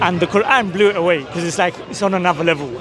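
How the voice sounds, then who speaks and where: A man talks over crowd noise in the background. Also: dry sound with no echo. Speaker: street preacher. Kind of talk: explaining religion in street conversation. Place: street. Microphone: lapel.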